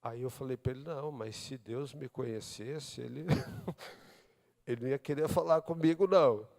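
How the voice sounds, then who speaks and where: A Brazilian man preaching a sermon, telling his own story and acting out the dialogue, swinging between loud and hushed speech. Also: medium pitch, normal speed, gravelly, big-room sound. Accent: Brazilian Portuguese. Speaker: pastor. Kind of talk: testimony sermon. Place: church service.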